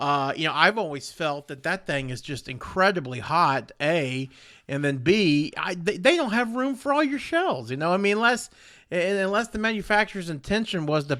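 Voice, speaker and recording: A man with a Texan accent speaks at a high pitch in an animated tone, his pitch swinging very widely. He keeps a moderate pace, and the recording is very clean with a silent background. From South Texas. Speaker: podcast host. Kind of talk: podcast interview. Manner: animated, filler-heavy.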